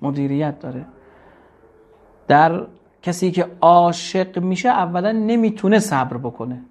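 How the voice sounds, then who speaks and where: Male poetry lecturer, higher voice, slow verse recitation, chatty explanations. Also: a little mellow. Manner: recites verses slowly, then asks and answers his own questions; colloquial, explanatory teaching tone.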